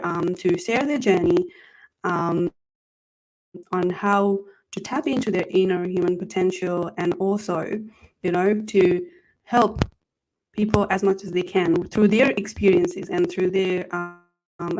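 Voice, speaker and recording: A woman's voice: mid-range voice, poor audio. Woman hosting an online interview show. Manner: warm welcoming, hesitant with fillers. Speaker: host.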